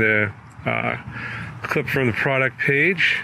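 A man talks at a fairly slow pace with fairly even intonation. The sound is dry with no echo, over light background noise. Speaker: product reviewer. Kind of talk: product review commentary. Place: street. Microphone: phone near.

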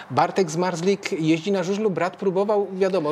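A man with a Polish accent and a high pitch, ordinary pitch variation, a moderate pace and light background noise. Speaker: sports interviewer. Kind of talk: casual chat. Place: studio.

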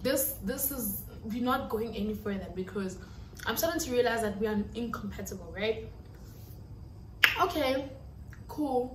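Noticeable background noise sits under speech that moves at a fairly slow pace. The pitch varies in an ordinary way, with long, frequent pauses. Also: woman, fairly high pitch for a woman. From South Africa. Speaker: YouTuber. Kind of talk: storytime talk to camera. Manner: casual, chatty. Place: home room.

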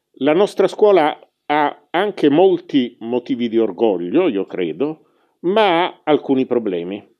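Speaking at a very slow pace, the man swings his pitch very widely. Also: fairly high pitch for a man, quiet background. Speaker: university professor. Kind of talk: panel presentation. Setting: book fair panel. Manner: measured, articulate. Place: hall. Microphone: lapel.

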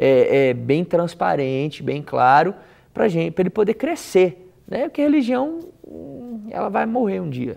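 Over a quiet background, a man talks at a fairly slow pace. His pitch is high. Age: 20s. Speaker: youth pastor; youth pastor guest. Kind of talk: casual interview. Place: studio. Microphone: lapel.

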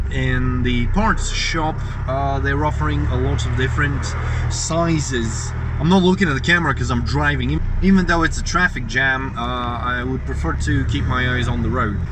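A man talks at a moderate pace with music in the background. The sound is dry with no echo. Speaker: car vlogger. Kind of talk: casual vlog chat. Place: car. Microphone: phone near.

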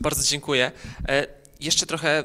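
This man speaks at a fairly quick pace in a fairly high voice. His tone is bright and sharp, and his intonation stays fairly even. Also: quiet background. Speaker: debate moderator and podcast co-host. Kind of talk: panel debate moderation. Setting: live debate in an event venue. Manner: formal. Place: hall. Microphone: handheld.

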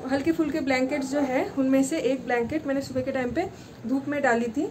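Light background noise accompanies a woman's high-pitched voice. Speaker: home vlogger. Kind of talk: casual vlog chat. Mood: relaxed and chatty. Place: home room. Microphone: phone near.

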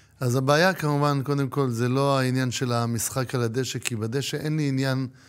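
A man at a moderate pace with fairly even intonation against a quiet background. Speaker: guest. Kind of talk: interview answer. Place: studio. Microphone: lapel.

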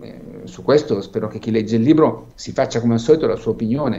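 This man has a medium pitch and a dark, mellow tone. He talks at a fairly quick pace. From Italy. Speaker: political science professor and columnist; political science professor. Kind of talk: interview. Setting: remote video link. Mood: calm, reflective. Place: home room. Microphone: video call.

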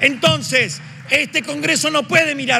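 A man speaks in a raised, projected voice with very wide pitch swings. His pace is moderate and the background is quiet. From Argentina. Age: 30s. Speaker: politician. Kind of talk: parliamentary speech. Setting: legislative chamber. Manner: formal. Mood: indignant. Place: hall. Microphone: podium.

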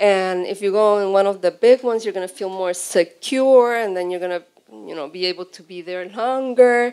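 A woman with a dark, mellow tone talks at a moderate pace with hardly any pauses, ordinary pitch variation and big swings in loudness over a quiet background. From Puerto Rico. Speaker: artist; panelist. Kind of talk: panel presentation. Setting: stage with microphone. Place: hall. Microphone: handheld.

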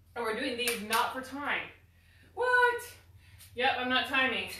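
Recorded with audible room echo, a woman speaks in a high voice. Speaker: fitness instructor. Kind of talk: workout instruction. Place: garage. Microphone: camera far.

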